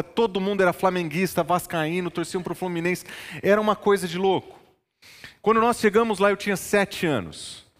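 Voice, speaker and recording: A male pastor preaching a sermon, telling stories from his childhood and building to emphatic teaching. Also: high voice. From northern Brazil. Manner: storytelling, rising to emphatic preaching. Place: church. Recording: long church reverb.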